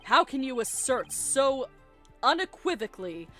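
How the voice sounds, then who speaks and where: A woman with a high voice reads video game dialogue aloud for a playthrough. She takes her time, delivering lines slowly and theatrically with a playful streak. Faint game music runs behind her. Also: sing-song, fairly bright tone. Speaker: let's player reading game dialogue aloud. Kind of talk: gaming playthrough with dramatic read-aloud of characters.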